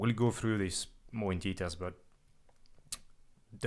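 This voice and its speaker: A fairly low-pitched man with a French accent, fairly even intonation and a moderate pace. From France. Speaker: massage therapist. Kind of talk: casual podcast interview.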